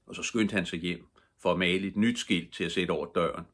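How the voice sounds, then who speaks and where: Older man, low husky voice. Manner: calm, gentle. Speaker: storyteller. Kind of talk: bedtime storybook reading.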